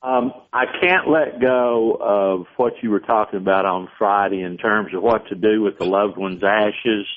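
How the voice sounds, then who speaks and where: A man calling a radio show over the phone, chatting casually as he pitches a joking idea. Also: measured pace, few pauses. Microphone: telephone. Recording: narrow, tinny phone line.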